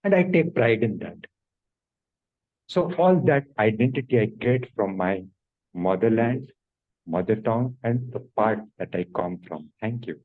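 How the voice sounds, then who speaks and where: A man's voice: lowish voice, expressive, unhurried, narrow, tinny audio. A man from Odisha with an Odia-influenced Indian English accent, giving an earnest impromptu speech at a speaking club. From Odisha, eastern India.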